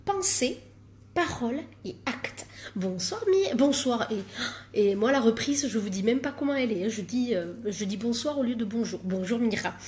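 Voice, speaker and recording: A woman's voice: a little high, lively intonation, normal speed, darkish tone, a little hiss or hum. A woman life coach giving a live-streamed coaching talk, emphatic, repeating words for stress and joking at herself.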